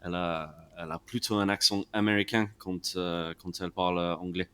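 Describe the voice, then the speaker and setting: A man's voice: low voice, clear, resonant tone. A British man, a native English speaker teaching English, chatting casually as a guest with a British accent and frequent hesitations. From Britain. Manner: relaxed, chuckling, halting with fillers. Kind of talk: casual interview chat.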